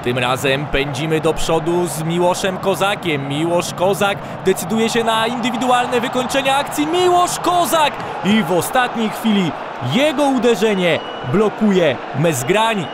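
A man narrating football match highlights as commentator, calm between chances and shouting when shots come. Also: unhurried. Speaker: sports commentator. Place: voice-over over stadium crowd sound. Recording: loud crowd and field noise underneath. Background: stadium crowd and noise.

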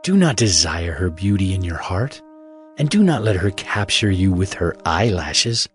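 A man's voice: low-pitched, sing-song, normal speed. Solemn male scripture narrator over music. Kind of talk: dramatized scripture reading.

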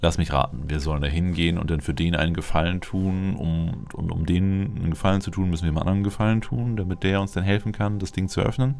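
A man doing casual, musing Let's Play commentary and roleplay in a deadpan way. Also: sits low, fast, vocal fry, hardly any pauses.

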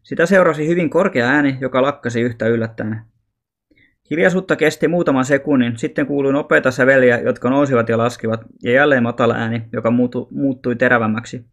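A man reads a children's novel aloud as an audiobook. His storytelling is calm and even, and his voice sits at a middle pitch. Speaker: audiobook reader.

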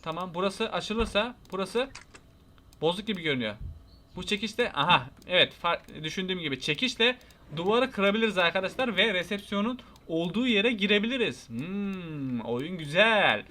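High bright-voiced young man gaming. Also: fairly quick. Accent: Turkish. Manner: chatty, talks to viewers, excitable yelps when startled. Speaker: gaming YouTuber. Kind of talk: casual let's-play commentary.

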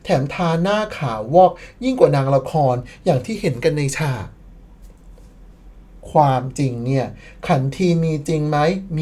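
A woman's voice: low-pitched, dark tone. A woman narrating a scripted history commentary as the channel admin, playful and sarcastic, with bursts of mock disbelief.

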